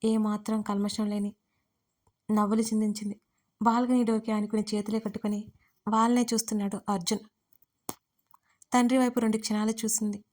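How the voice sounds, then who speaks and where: A woman reads a family story aloud in a gentle, steady storytelling voice. Her pitch sits in the middle of the range and barely rises or falls. The delivery stays calm and level throughout. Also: fairly quick, long pauses. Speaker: audiobook narrator. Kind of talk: scripted storytelling narration.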